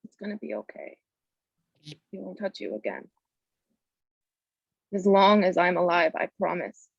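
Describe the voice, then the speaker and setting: An actress plays a protective woman, steady and commanding, with a gravelly creak in her voice. It is a drama table read with a dry, slightly dull sound. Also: lowish voice, unhurried, no echo, full character voice. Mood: concerned, protective. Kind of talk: screenplay table read acting.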